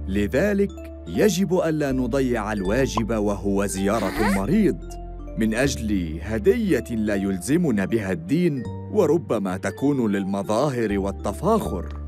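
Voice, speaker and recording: A wise old grandfather from a children's cartoon , acted by a man. His gentle, deliberate lecturing swings with expressive pitch. Music plays clearly underneath. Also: natural voice. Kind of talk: children's cartoon dubbing in formal Arabic. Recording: music behind the voice.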